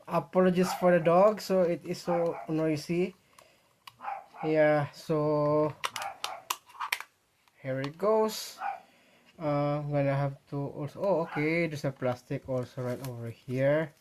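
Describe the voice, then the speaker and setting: A man with a Filipino accent talks casually to viewers in an unboxing vlog, halting and repeating himself as he thinks aloud. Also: a little high. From Philippines. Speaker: vlogger. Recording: noisy home recording with clicks.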